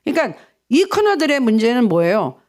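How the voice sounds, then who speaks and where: A man's voice: extremely high pitch, big pitch swings, brisk. A male pastor giving an early morning sermon, asking many rhetorical questions and acting out the people in his story. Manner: rhetorical questions, acts out quoted voices.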